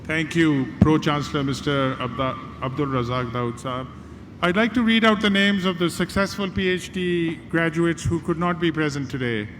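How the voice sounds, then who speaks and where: A man speaks at a pulpit microphone in a measured, formal ceremonial tone. His voice sits a little higher than most men's. A long reverb trails each phrase through the large venue, over a faint background hiss. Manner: measured, formal, reading out names and conferring degrees. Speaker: university vice chancellor.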